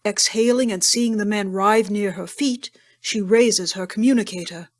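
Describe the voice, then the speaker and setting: A woman's voice: mid-range voice, moderate pace. Female narrator: mid-range voice, reads scripted audio drama scene descriptions.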